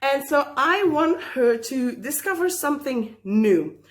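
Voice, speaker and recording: Woman, kinda high voice, chatty teacher with lots of ums. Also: expressive, unhurried. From Belgium. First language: Dutch. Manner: friendly, chatty, lots of ums and small laughs. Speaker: teacher, guest creator. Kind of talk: casual video message.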